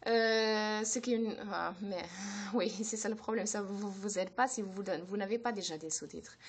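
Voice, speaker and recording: Hesitant German-native woman speaking French. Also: mid-range voice. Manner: hesitant, many fillers and restarts. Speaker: language-learning channel host. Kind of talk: unscripted explanation to camera.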